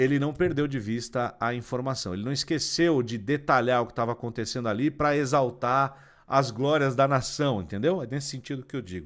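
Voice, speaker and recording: With a plain, everyday voice, a man speaks at a fairly quick pace and medium pitch, hardly pausing at all. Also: ordinary pitch variation. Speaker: sports commentator and narration coach. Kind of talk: casual talk to camera, live stream commentary.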